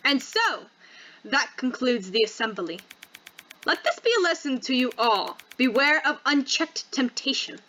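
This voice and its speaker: A woman's voice: high-pitched, sing-song, a little slow, pushed and bright, heavily acted, low-quality recording. A woman voicing a stern, commanding cult leader who speaks formally and coldly in a visual novel read-aloud. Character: stern cult leader lady passing judgment at an assembly.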